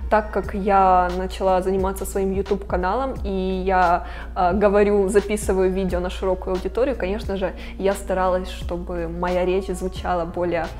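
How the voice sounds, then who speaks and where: A woman is heard with audible room echo. Background noise is noticeable too. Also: moderate pace. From Ukraine. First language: Ukrainian (speaking Russian). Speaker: video blogger, model and actress. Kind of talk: vlog talk to camera.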